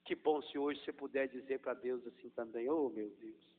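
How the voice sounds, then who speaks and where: A man, a Catholic priest, preaching a sermon, swinging from hushed, gentle demonstration to loud, drawn-out emphasis. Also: mid-range voice. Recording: echoey hall over a tinny, phone-like line.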